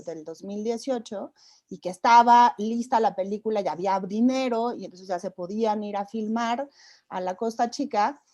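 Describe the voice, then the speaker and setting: A woman, a film producer speaking in a relaxed, reflective way with many restarts. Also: a little high, dry recording. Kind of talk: conversational talk at a seminar.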